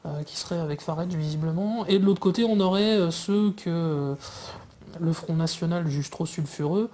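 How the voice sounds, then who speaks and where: A man talking through politics in a casual discussion, pausing often with fillers and restarts. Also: on the high side, mellow. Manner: hesitant, many fillers and restarts. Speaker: guest commentator.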